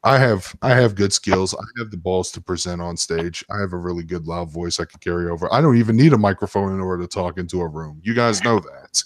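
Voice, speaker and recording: A man's voice: deep voice, brisk, few pauses, no room sound. A man hosting a casual stream, telling stories in a rambling, sometimes profane way. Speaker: stream host. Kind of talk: casual storytelling chat.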